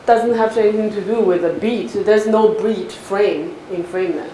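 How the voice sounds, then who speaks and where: A woman's voice: mid-range voice, mellow. Cantonese-accented woman answering questions in a hall. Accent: Cantonese-accented English. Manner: quick rebuttals, explains with examples. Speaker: lecturer answering audience questions. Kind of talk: academic Q&A after a talk. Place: lecture hall. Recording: echoey lecture hall with faint noise.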